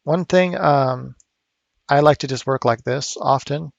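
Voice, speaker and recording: Gravelly-voiced man rambling through a tutorial. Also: mid-range voice, measured pace, dry recording, highs cut off. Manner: rambling, thinking aloud with fillers. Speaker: art instructor. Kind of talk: casual sculpting tutorial. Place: home studio.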